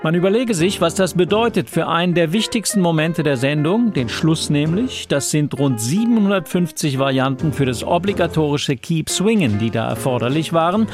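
A man's voice: fairly high pitch, animated, normal speed, few pauses, music in the background. A man interviewing and narrating for a radio programme in a prepared presenting style.

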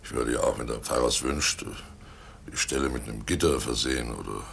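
An actor in a German radio play, playing a guilty, domineering and slyly jovial village innkeeper with a gravelly voice. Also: male voice, a bass voice, brisk, a bit bright, a little hiss or hum, full character voice. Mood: falsely jovial.

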